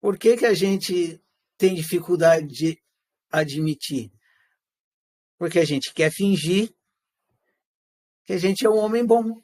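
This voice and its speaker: Animated high-voiced man teaching. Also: slow, pauses often. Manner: animated, switches into acted quotes of everyday speech; rhetorical questions answered himself. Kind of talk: live class lecture with questions to students.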